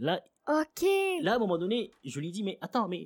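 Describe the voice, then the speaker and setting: A man speaks at a moderate pace with very wide pitch swings, in a dry, close sound with no echo. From Congo, then Quebec from age 12. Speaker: guest speaker on racism. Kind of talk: interview.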